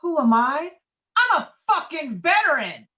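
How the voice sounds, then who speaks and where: A woman's voice: sits high, sing-song, measured pace, bright, forceful tone, muffled recording, exaggerated voice. A woman acting a stubborn, hot-tempered male war veteran in a table read, profane and combative. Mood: belligerent. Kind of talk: virtual table read of a film script. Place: remote video call.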